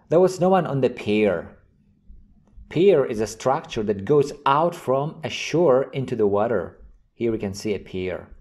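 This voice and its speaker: A man hosting an English vocabulary lesson, reading example sentences and definitions slowly and clearly. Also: mid-range voice, warm tone. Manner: slow, carefully enunciated reading of example sentences. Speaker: English teacher.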